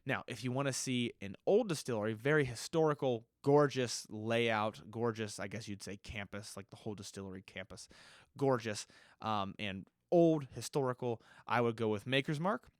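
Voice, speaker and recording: A man's voice: medium pitch, moderate pace, no room sound, clean studio sound. A man hosting a podcast who is stuffy, answering listener questions in a casual, rambling way with many fillers and restarts. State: stuffy nose. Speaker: podcast host.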